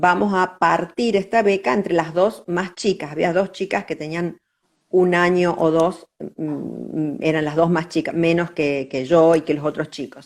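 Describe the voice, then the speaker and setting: A woman with a Córdoba Argentine accent speaks at a fairly low pitch and a fairly slow pace. Her intonation is fairly even against a quiet background. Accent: Cordoba Argentine Spanish. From Córdoba, Argentina. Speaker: dancer and choreographer. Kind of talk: interview answer. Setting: video call.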